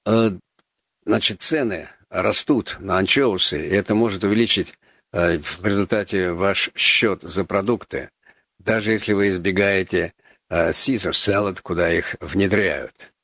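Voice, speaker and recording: A man's voice: sits low, unhurried, a bit bright, dry recording, dull audio. A man hosting a call-in radio talk show, chatting casually with ironic asides and plenty of filler words. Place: radio studio.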